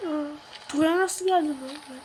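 A woman's voice: sits high, moderate pace, a little mellow, slight background noise. A woman commenting on a horror game as she plays. She swears, mutters prayers when scared and shrieks when startled. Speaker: gamer.

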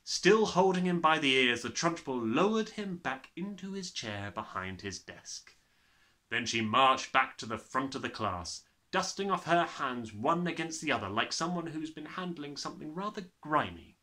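A young man narrating a children's book in an expressive storytelling style. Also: on the high side, moderate pace. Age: young adult. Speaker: storybook reader.

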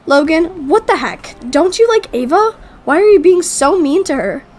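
A woman's voice: extremely high pitch, animated, moderate pace, a little mellow. A woman playing an outspoken, protective teenage girl, blunt and emphatic, in a game roleplay drama. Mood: indignant. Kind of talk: acted Roblox roleplay drama.

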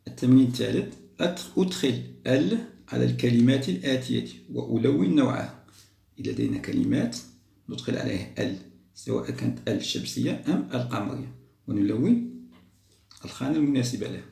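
A man teaching a lesson for young children, stretching out each model word slowly and then moving on quickly. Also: medium pitch, expressive, creaky, warm tone. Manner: slow, drawn-out model words, then quick asides. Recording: roomy echo.

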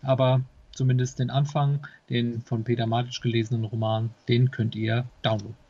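A man's voice: medium pitch, little pitch movement, normal speed, warm tone. A man co-hosting a podcast, casually announcing new releases in a slightly lo-fi recording. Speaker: podcast co-host. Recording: slightly dull, lo-fi sound.

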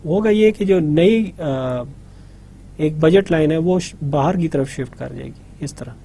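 A man's voice: on the high side, rapid-fire, gravelly, mellow, slight background noise. A middle-aged man with a South Asian accent, a native Urdu speaker, giving a lecture as he draws a diagram, somewhat hesitant in delivery. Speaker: university lecturer. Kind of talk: lecture explaining a diagram while drawing. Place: studio, indoors.

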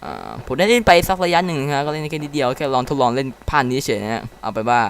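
Excitable man doing game commentary. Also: mid-range voice, fast, a little hiss or hum. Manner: excitable, reads on-screen dialogue aloud; chatty, explains controls to viewers. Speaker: game let's-play commentator. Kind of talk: casual gameplay commentary.

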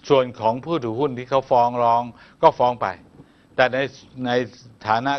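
A man co-hosting a news talk show, giving measured, explanatory commentary. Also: medium pitch, steady tone, muffled recording. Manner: measured, explanatory, frequent polite particles.

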